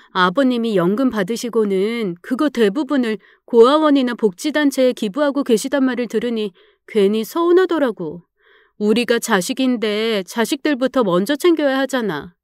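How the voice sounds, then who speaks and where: A woman's voice: a little high, no room sound, studio quality. A woman voicing a guilty young wife who makes excuses and apologizes. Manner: defensive, apologetic, pleading.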